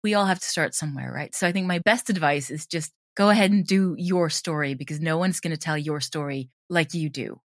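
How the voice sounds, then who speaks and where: A woman's voice: low voice, fairly quick, hardly any pauses, no room sound, studio quality. A woman talking casually as an interview guest about her creative work, animatedly voicing imagined quotes as she goes.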